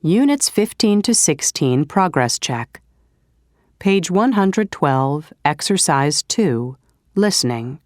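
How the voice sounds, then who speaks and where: A woman's voice: deep voice, very animated, darkish tone, no echo, clean studio sound. A woman narrating a textbook audio and reading out page and exercise titles. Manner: measured, announcing.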